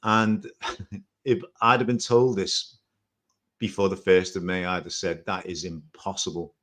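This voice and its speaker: An older man in his sixties with a Liverpool accent and a fairly low voice. He tells his story in a loose, chatty way, backtracks and corrects himself, and drops in small jokes as he goes. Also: fairly even intonation, a little slow, fairly bright tone. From Liverpool, England. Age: 60s. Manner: chatty, rambling, self-correcting with light jokes. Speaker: guest. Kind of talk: casual storytelling interview.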